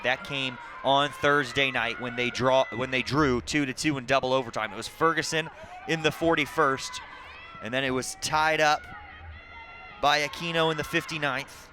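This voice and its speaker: A man doing live TV soccer play-by-play, mixing short clipped calls of the action with statistical recaps. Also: medium pitch. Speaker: play-by-play sports commentator. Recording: clearly noisy outdoor broadcast with crowd ambience. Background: crowd and outdoor ambient noise.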